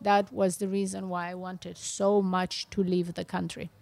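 A woman's voice: on the low side, level tone, gravelly, a little mellow. Romanian-accented woman telling her story. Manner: earnest, halting, many restarts. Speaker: guest, beauty entrepreneur. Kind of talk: interview storytelling.

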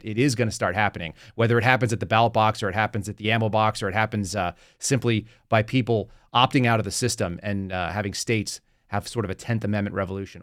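A man's voice: on the low side, no room sound, studio quality. A man hosting a political podcast in a brash, casual way, reading ads and interviewing a guest. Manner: brash, casual, punchy ad reads. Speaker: podcast host.

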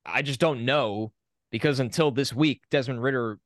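A young adult man co-hosting a podcast in a casual sports chat. He sounds opinionated and reels off facts in a steady run. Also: mid-range voice, normal speed, dry recording, clean studio sound. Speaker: podcast co-host.

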